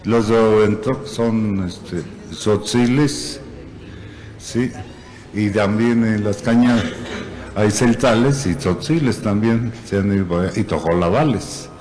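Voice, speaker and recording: A muralist answers on a panel, hesitating and using fillers. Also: male voice, on the low side, takes it slowly, a little mellow. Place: university museum hall.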